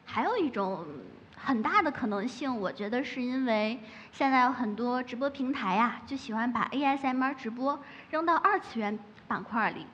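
A woman who makes ASMR, giving a lively public talk from a stage with playful asides. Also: fairly high pitch, moderate pace. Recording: echoey hall, muffled, faint noise.

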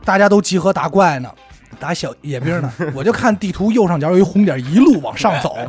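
A man's voice: sits high, expressive, quick pace, a little mellow, faint music behind. A man telling a crude, laughing story in casual podcast chat. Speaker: podcast host.

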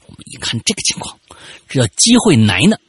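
The voice is very husky and heard in a dry, close sound. A man tells a story casually, with a lot of pitch movement, and stammers when excited. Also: fast, no echo.

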